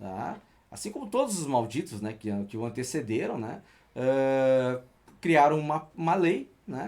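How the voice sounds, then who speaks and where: Speaking fairly slowly, a man with a plain, everyday voice uses lively intonation at a medium pitch. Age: 60s. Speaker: retired teacher and artist. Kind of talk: casual interview chat.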